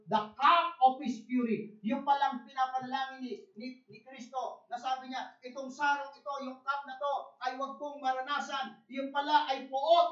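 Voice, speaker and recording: Filipino preacher in an echoey hall. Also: male voice. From Philippines. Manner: swings from soft low asides to loud emphatic preaching; stammers and repeats words. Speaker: pastor. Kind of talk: bilingual sermon. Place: church conference hall. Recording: roomy, dull church recording.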